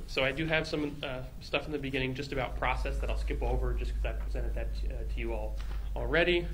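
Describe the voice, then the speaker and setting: Light background noise sits under the recording. A man talks at a very fast pace. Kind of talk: formal presentation. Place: hall. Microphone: podium.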